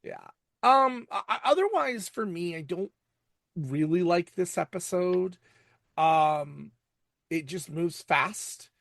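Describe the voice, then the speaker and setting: A man hosting a casual podcast recap, talking in a halting way and often repeating words as he goes. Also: high-pitched, animated, vocal fry, a bit bright, no echo, clean studio sound. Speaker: podcast host reviewing TV episodes. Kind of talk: casual episode recap and commentary.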